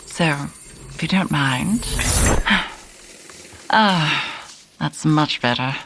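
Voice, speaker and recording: An actress playing a poised, haughty telepath, cool, arch and dry, in an audio drama. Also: female voice, deep voice, animated, drawn-out words, noisy background, heavily acted. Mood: reluctant, dry. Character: poised, haughty, wry telepathic aesthete woman.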